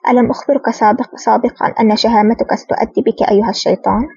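A woman's voice: a little high, fairly even intonation, rapid-fire, vocal fry, mellow, slightly rough, no room sound. A woman reading the lines of a sly, sarcastic male hitman in an audiobook, voiced close to her own tone. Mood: mocking. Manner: sneering, sarcastic. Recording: dull lo-fi dry recording.

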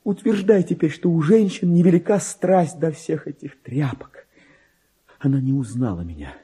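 A man's voice: a little high, lively intonation, moderate pace, dark tone, slightly rough. An actor voicing a petty, resentful, self-important male clerk in a radio play monologue, theatrical and grumbling, with mimicry of other people. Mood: fretful, self-conscious. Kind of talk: dramatic monologue in a Russian literary radio play.

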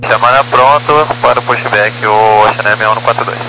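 A male pilot with a mid-pitched voice reads back instructions in clipped, procedural wording. The radio transmission is very noisy, with a strong hum. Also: fast talker. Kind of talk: air traffic radio readbacks.

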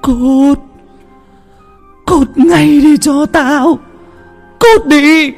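A man's voice: fairly high pitch, very animated, slow, creaky, darkish tone, husky, faint music behind, voice pushed up, full character voice. A man voicing a frail, hunched old grandmother who pleads and then shrieks in fury, in a ghost-story reading. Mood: shrieking.

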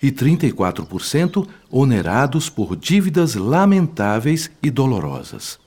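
A man's voice: mid-range voice, sing-song, unhurried, darkish tone, slightly rough. A male actor with a Brazilian accent playing a wise, compassionate spirit instructor in a radio drama, speaking in a didactic, formal, eloquent manner. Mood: grave, factual.

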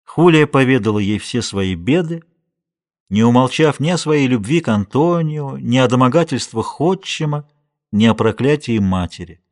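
Reading a novel aloud, this male audiobook narrator uses a medium-pitched voice and a measured, expressive storytelling style.

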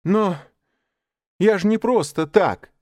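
A man voicing an excitable jungle boy in an audiobook, pleading in a raised voice. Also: sits high, slow, no room sound, clean studio sound, pitched above the performer's own voice. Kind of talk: audiobook character voice.

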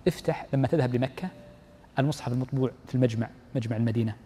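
A sheikh teaches Islamic jurisprudence in a husky, dark, medium-pitched voice, talking very fast. He reads the text aloud, then comments on it step by step, often repeating his key phrases. The recording carries a long hall reverb.

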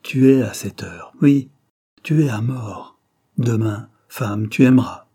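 A man's voice: medium pitch, takes it slowly, mellow, slightly rough. A man voicing an old gypsy seer in an audiobook, making solemn prophecies. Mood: prophetic. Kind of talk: audiobook character reading.

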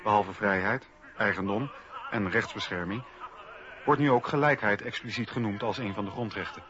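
A man narrating a scripted historical radio documentary in a measured, factual way. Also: lowish voice, highs cut off, a crowd in the background.

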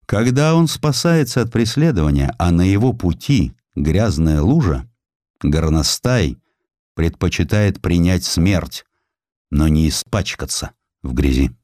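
An eloquent male defense lawyer acted by a male narrator delivers moral oratory with emphatic, drawn-out key words. The voice is low and animated, dry and close as in an audiobook drama. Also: no room sound. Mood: indignant.

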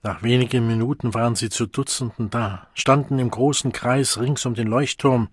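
A man narrating an audiobook in a measured, dramatic way, recorded close on a studio mic. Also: medium pitch, fairly even intonation, slightly rough, no echo.

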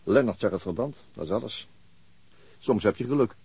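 Radio drama: unyielding senior detective, low dark voice, very rough-edged, laconic. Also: male voice, lively intonation, full character voice. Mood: weary, laconic. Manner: measured, blunt, laconic. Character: grave, weary, unyielding police chief inspector.

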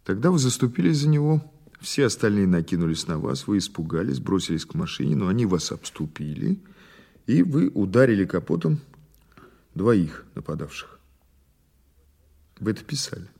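An actor playing a patient, skeptical police investigator in an audio drama, questioning in a halting, conversational, insistent way. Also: male voice, low voice, sing-song, vocal fry, dark tone, exaggerated voice. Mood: methodical, pressing. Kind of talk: naturalistic audio drama dialogue.

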